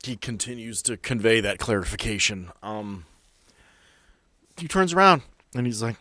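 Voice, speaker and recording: A man's voice: on the low side, expressive, moderate pace, bright, forceful tone, no room sound. A man running a tabletop roleplaying game, narrating scenes in a conversational, explanatory way. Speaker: game master.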